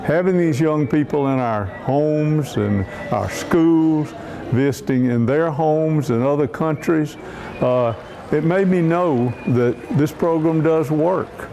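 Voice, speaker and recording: A man giving an earnest interview testimonial, pausing with hesitant fillers. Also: fairly high pitch, creaky, warm tone, soft background music. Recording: recorded amid a crowd. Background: crowd.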